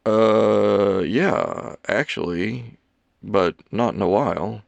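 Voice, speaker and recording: A man's voice: fairly low pitch, slow pace, vocal fry, no room sound, full character voice. Man acting an awkward, stammering, anxious man. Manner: stammering, hesitant, backtracking. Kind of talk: audiobook character dialogue.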